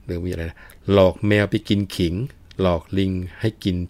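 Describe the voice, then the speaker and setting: Deep-voiced male storyteller. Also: flat delivery, moderate pace, a little mellow, dry recording. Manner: leisurely, chatty, addresses listeners. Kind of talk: storytelling with idiom explanations.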